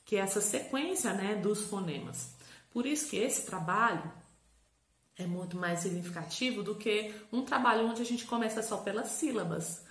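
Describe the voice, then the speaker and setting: A woman psychopedagogue explaining in a lively, teacherly way, slowly drawing out and spelling syllables. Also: medium pitch. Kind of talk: educational explainer video. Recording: roomy echo.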